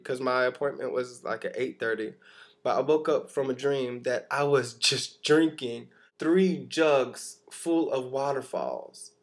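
A young man vlogs from his living room in a groggy, rambling way. He has a medium-pitched voice and gropes for words, with a theatrical, comic way of complaining. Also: measured pace. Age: 20s. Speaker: vlogger. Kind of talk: casual, dramatic comedic rant to camera. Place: living room at home, indoors. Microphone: webcam at arm's length.

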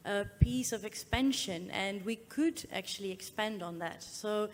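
A woman presenter answering a question at a conference in an eager, informal, slightly halting way. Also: mid-range voice. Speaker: exhibition presenter. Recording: reverberant hall.

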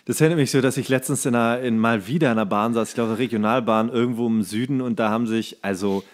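A man co-hosting a podcast speaks at a middle pitch. His talk is casual and joking, and he likes to act out imagined quotes with some mockery. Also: quick pace. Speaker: podcast co-host.

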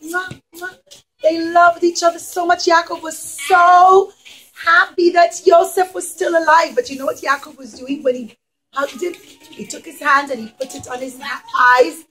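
A woman's voice: very high voice, steady tone, normal speed, a bit bright, rough recording. A middle-aged woman teacher telling a story to young children in simple, emphatic, repetitive phrases. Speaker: preschool teacher. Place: indoors in a classroom.

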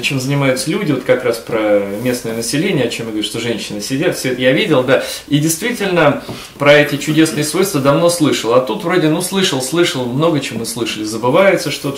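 A middle-aged man hosting a casual interview, chatty and brisk, prompting his guests. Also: medium pitch. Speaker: host. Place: living room with curtains, indoors. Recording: roomy.

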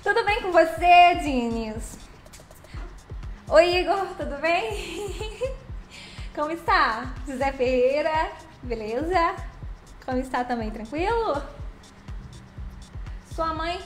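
A woman's voice: high-pitched, lively intonation, takes it slowly, pauses often. A woman hosting a casual live stream, greeting viewers by name with pet names and chatty affection. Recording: roomy echo with faint background music.

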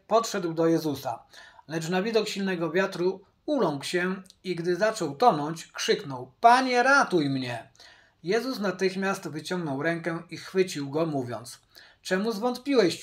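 A man teaching from the Bible, speaking deliberately, repeating his key points and addressing viewers directly. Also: high voice. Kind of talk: Bible study commentary.

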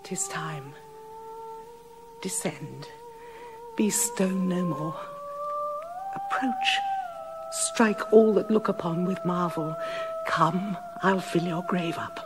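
A woman's voice: medium pitch, huge pitch swings, slow, pauses often. An actress playing a loyal, commanding older noblewoman, speaking verse in a solemn, incantatory way. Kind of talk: classical stage acting, audio drama. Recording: long reverb with soft music behind.

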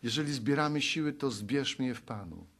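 This sermon comes from a man from Poland whose voice is expressive and fairly quick. He pleads and exhorts, moves between loud calls and soft, low passages, and reads scripture aloud.

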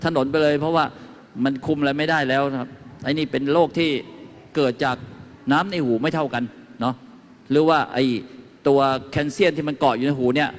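A man's voice: on the high side, steady tone, brisk, a little hiss or hum. A man giving a folksy talk to a live audience as a lecturer on home remedies, telling anecdotes and tossing questions to the crowd. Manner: chatty, asks the audience questions, tells anecdotes. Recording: reverberant hall.

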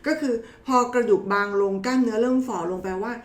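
A woman doctor talks fast in a fairly high voice, giving a casual, chatty health explainer. She addresses viewers in a familiar, teasing way, and the recording has a roomy echo.

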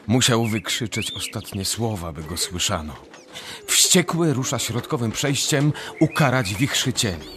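A man's voice: mid-range voice, noisy background. A man narrating a radio drama from a script.

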